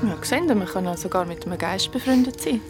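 A woman's voice: medium pitch, animated, fast talker, lightly acted. An actress playing a curious, eager young woman among friends in a radio drama. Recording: radio drama over loud music.

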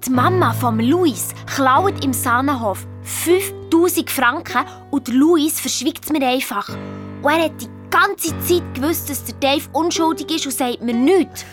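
A woman voicing a headstrong, hot-tempered young girl in an audio drama, narrating in a lively, indignant way with a Swiss German accent. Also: sits high. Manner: lively, indignant, quick to flare up. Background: faint background music.

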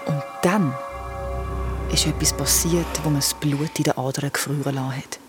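A Swiss German woman recounts a spooky story, lively and dramatic, often whispering. Her voice sits rather low. Music plays behind her. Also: moderate pace. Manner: lively, dramatic, drops to a whisper at tense moments.

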